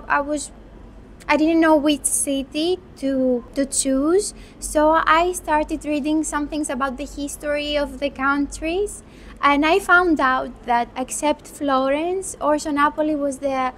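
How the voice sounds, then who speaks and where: A young Greek woman with a high, light voice answers questions in a thoughtful, unhurried way, sometimes restarting a phrase. A faint outdoor hum sits behind her. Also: steady tone. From Greece. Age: 20s. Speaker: medical student. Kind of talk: interview.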